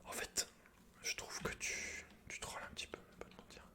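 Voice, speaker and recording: A man's voice: brisk, pushed and bright. A man whispering casual ASMR gaming chat as a streamer, swearing freely and repeating short slangy phrases close to the microphone. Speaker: video game streamer and ASMR host.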